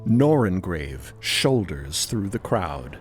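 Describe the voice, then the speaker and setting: A man's voice: low-pitched, big pitch swings, takes it slowly, faint music behind. A man narrating a scripted audio drama in a dramatic storytelling style.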